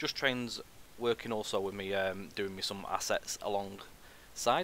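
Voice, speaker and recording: A man's bright, sharp voice comes with fairly even intonation and a dry sound with no echo, over light background noise. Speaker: streamer. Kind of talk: live stream commentary. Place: home room. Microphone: headset.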